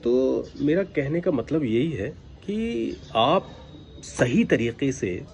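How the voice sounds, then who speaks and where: A man working as a voice-over coach gives an informal instructional talk, emphatic and admonishing, with rhetorical questions. His mid-range voice is sing-song and darkish, and he speaks slowly. It's recorded on a built-in device microphone with no external mic, picking up background noise and ambient sound from outside.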